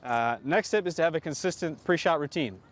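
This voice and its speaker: Fast-talking man, golf coach outdoors. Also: fairly high pitch, lively intonation. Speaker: golf pro giving tips. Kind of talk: casual instructional interview.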